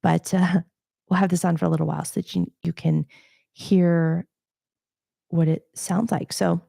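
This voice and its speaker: Soft-spoken woman with a gravelly edge. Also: fairly low pitch, level tone, a little slow. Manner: conversational, explanatory. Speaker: audio gear reviewer. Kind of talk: livestream gear demo. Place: home studio. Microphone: changing between studio mics.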